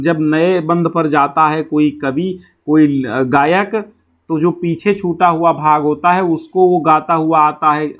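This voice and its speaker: Male schoolteacher, slightly high-pitched, explaining verse line by line with repeated paraphrases and check-ins. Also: fairly bright tone. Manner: didactic, repeats and rephrases phrases, checks with listeners. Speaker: Hindi teacher. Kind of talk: explanatory classroom lesson, reading and paraphrasing a poem.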